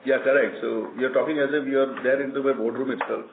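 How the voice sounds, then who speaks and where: Exec guy on an earnings call, halting explanations, tinny phone line w roomy echo. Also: mid-range voice, fairly even intonation, creaky, a little hiss or hum. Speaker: company executive answering investor questions.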